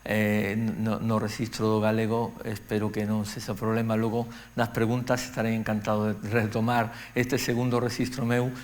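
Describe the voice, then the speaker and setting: A middle-aged Andalusian man speaks as a guest lecturer. His delivery is measured and broken by frequent pauses, and his pitch stays level and even throughout. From Andalusia, Spain. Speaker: guest speaker on music education. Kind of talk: public lecture.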